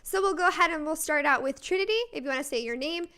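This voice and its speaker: Young woman hosting a student panel, high bright voice, chatty. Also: fast talker. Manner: friendly, chatty, with fillers. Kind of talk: casual live stream hosting.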